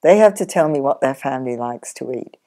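An older woman sheep farmer, chatty and practical, explaining her farm work step by step in a relaxed interview at home. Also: extremely low pitch, fairly quick. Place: sunlit living room, in an armchair.

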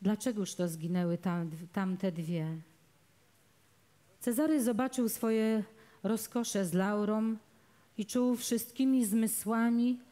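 A woman, an actress, reading a novel aloud in a measured, dramatic storytelling manner, outdoors in a public garden. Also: medium pitch, mellow. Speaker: reader, actress.

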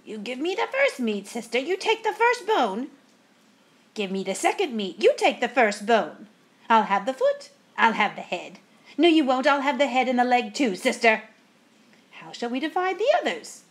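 A woman's voice: high voice, very animated, moderate pace, voice pushed up. A woman voicing greedy, quarrelsome ghost sisters in a storybook, bickering and exclaiming shrilly. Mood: greedy squabbling.

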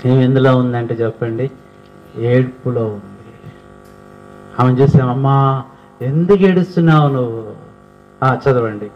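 A man's voice: mid-range voice, unhurried, long pauses, slight background noise. A man preaching a sermon fervently, firing rhetorical questions at his listeners and building to emphatic peaks. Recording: dull lo-fi recording.

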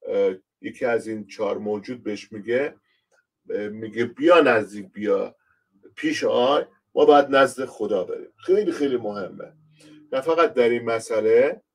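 A man's voice: on the low side, a little mellow, far from the mic. A man from Iran, a pastor, giving a conversational online Bible lesson and speaking directly to his listeners as he explains.

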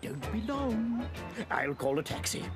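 Greedy middle-aged cartoon grump, wheedling and pompous, slow drawn-out lines with huge swings. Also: male voice, very high-pitched, big pitch swings, exaggerated voice. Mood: sly, wheedling. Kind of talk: animated cartoon acting. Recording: cartoon music behind voice.

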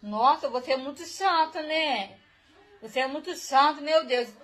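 A woman on a phone livestream, ranting at commenters in a blunt, crude way that flares into shouting. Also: high-pitched, unhurried, slight background noise. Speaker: social media personality.

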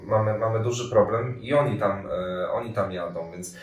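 Low-voiced hesitant man in an echoey room. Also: normal speed. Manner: hesitant, many fillers and restarts. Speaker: volunteer coordinator, guest. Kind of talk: conversational interview answers. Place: room with armchairs and radiator, indoors. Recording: echoey room, mic at a distance.

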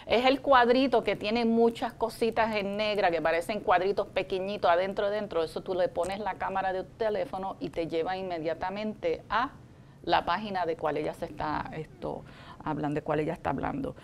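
A woman in her sixties hosting a TV interview in a studio, chatty and animated, with many fillers, on a lapel mic. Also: medium pitch, normal speed, a little hiss or hum. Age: 60s. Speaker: TV show host. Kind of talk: casual Spanish interview. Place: TV studio set.

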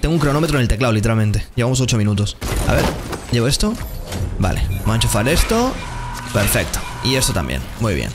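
A young man with a Spain Spanish accent, giving excitable live commentary over his own gameplay, muttering one moment and shouting the next. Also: mid-range voice, quick pace, over music. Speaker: gaming streamer.

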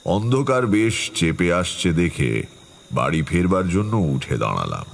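Very deep-voiced tantric storyteller. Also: male voice, very animated, creaky, full character voice. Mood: reflective, suspenseful. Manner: measured, atmospheric, self-assured. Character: Taranath, seasoned confident male tantric recounting eerie tales. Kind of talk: dramatic first-person horror storytelling. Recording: music behind the voice.

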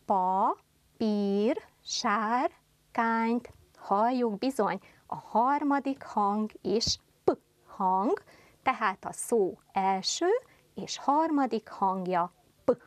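A woman teacher giving a televised first-grade lesson, speaking slowly and carefully articulating to small children. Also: medium pitch, expressive, no echo. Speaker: primary school teacher.

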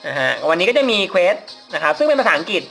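Thai guy playing a phone game, kinda high voice, chatty and polite, game music going faintly behind. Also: big pitch swings, fast, bright, forceful tone. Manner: chatty, polite, laughs at his own mistakes. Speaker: mobile game reviewer. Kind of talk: casual gameplay commentary. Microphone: phone mic while playing on a phone.

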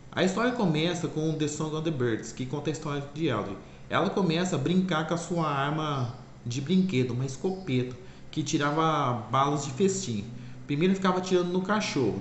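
A man's voice: on the high side, lively intonation, brisk. A man casually retelling a cartoon's plot in a rambling way, often correcting himself. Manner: rambling, self-correcting, repeats "é claro". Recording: echoey room, faint ambient noise.

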